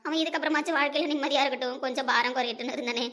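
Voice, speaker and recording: A woman's voice: high-pitched, fairly even intonation, very fast, a bit bright, pitched below the performer's own voice. A woman voicing an older grandmother who laments and prays aloud for her family. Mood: lamenting. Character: older grandmother, fretful and wailing to god.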